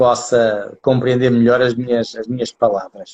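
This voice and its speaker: A man with a European Portuguese accent speaks at a fairly slow pace in a dry, close recording with no echo. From Portugal. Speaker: entrepreneur and trainer. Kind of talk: interview storytelling. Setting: Instagram live video. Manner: halting, many fillers.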